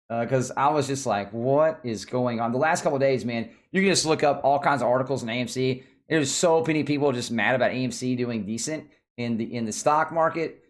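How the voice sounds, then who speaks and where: A man with an average-pitched voice hosts a stock market commentary. He talks informally and colloquially, putting his opinions across like someone chatting to regular followers. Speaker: stock video host.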